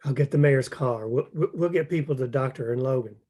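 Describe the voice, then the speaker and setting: A man's voice: medium pitch, fast talker, dark tone, lightly acted. A man playing an anxious townsman, hesitant and questioning, in a drama table read.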